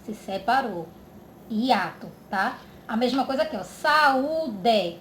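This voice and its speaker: A woman teacher from Brazil giving a slow grammar lesson for children, drawing out words and checking in often. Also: on the high side. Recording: echoey room with faint background noise.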